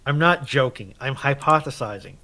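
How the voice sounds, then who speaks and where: A man's voice: medium pitch, lively intonation, moderate pace, bright, forceful tone. A man taking part as a panelist in a casual chat.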